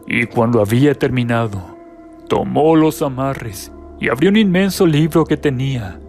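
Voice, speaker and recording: A man's voice: medium pitch, darkish tone. Man narrating a horror story.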